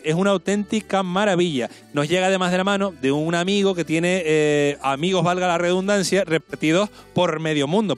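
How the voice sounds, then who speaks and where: Higher-pitched Canarian man hosting a show. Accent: Canarian Spanish. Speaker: television host. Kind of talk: presenting a live folk music show. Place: large studio-like set with seated guests. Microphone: handheld microphone.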